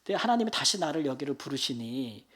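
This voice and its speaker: Missionary in their 50s sharing a heartfelt testimony at a church prayer meeting, chatty and emotional, swinging loud to soft. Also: mid-range voice, very animated, quick pace.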